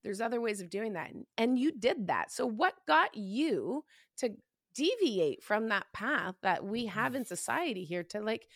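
A woman hosting a podcast interview, excitable and chatty, with lots of fillers and restarts. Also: a little high, measured pace, no echo, clean studio sound. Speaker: podcast host. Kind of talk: casual interview chat.

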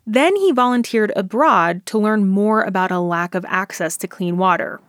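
A woman's voice: mid-range voice, animated, moderate pace, a bit bright, dry recording, clean studio sound. Woman reporter narrating a radio feature.

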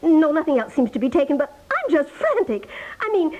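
A woman's voice: high-pitched, sing-song, a little fast, darkish tone. An actress playing a frantic, indignant young housewife and mother in a 1950s radio comedy, huffy and affronted. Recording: dull old radio recording.

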